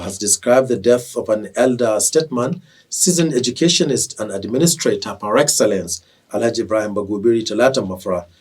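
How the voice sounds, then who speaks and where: A man with a Nigerian accent reads scripted television news as an anchor in a formal, measured way. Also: mid-range voice, darkish tone, slightly rough, recorded from a distance.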